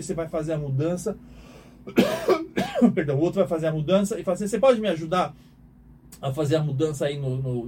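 A man's voice: on the high side, mellow, slight background noise. A man teaching communication, emphatic, asking questions and repeating himself as he lectures. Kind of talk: lecture to an online audience.

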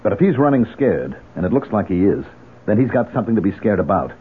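An actor playing a level-headed, earnest young advisor in a 1970s radio drama. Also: male voice, fairly low pitch, big pitch swings, fast talker, a little hiss or hum. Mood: earnest, reasoning. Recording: muffled, narrow-band old radio broadcast.

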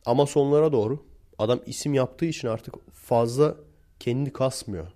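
In a casual storytelling monologue, a young Turkish man vlogs to his audience with a warm, medium-pitched voice at a moderate pace. He keeps it blunt and slangy and laughs softly between points.

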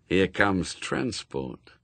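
A cool, worldly male demon from an audiobook, voiced by a man. He speaks, offhand and wry, in lively swings of pitch. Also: extremely slow, creaky, dry recording, full character voice.

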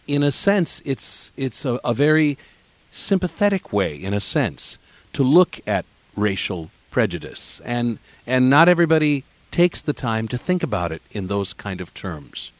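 A man hosting a radio interview, asking measured, reflective questions. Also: mid-range voice, big pitch swings, dry recording.

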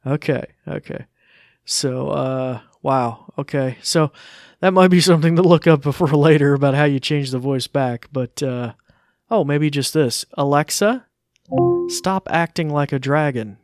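A man's voice: a little high, measured pace, dry recording. Casual man with dry, close sound. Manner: informal, hesitant, easily amused. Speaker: tech demonstrator. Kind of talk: casual live product demo.

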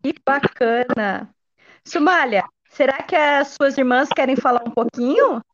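A woman with a high voice interviews children in a casual chat. She reacts with encouraging exclamations. The recording is a little dull and lo-fi. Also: animated, unhurried.

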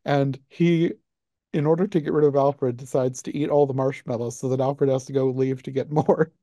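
A man talks through a film in a relaxed podcast chat, breaking into laughter as he recaps. His voice is warm and low in brightness. It is recorded dry and close, with no room sound. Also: moderate pace, no room sound. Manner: laughs often while recapping. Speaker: podcast host. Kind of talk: casual film review chat.

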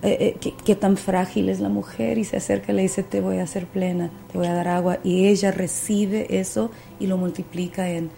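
A woman with a warm, gravelly voice speaks as a podcast guest. She tells her faith testimony with the fervor of a preacher, pausing often on fillers. A faint hiss sits under the audio. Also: mid-range voice, flat delivery. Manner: fervent, preacher-like, with many fillers.

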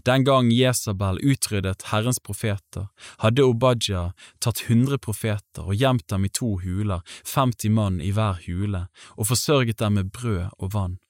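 A man reading scripture aloud in a measured, even way, in a scripted audiobook style. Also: on the low side, no room sound, clean studio sound. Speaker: Bible reader.

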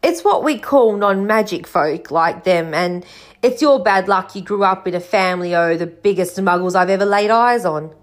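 A woman plays a big, gruff man from a children's storybook. He is kind-hearted and quick to feel things deeply. His speech is folksy and rambling, with dropped consonants. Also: lively intonation, natural voice. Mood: scornful.

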